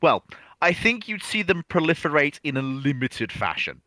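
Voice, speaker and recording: Male panellist, bright forceful voice, dry close sound, pedantic and halting in casual discussion. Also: fairly high pitch, very animated, no echo. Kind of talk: casual live history discussion.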